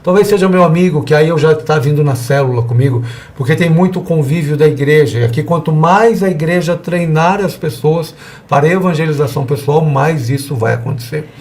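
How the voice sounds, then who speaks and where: A man's voice: fairly high pitch, fairly quick, darkish tone. A man teaching a church evangelism class in a conversational way, acting out little dialogues with the people he talks to. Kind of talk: church seminar lesson.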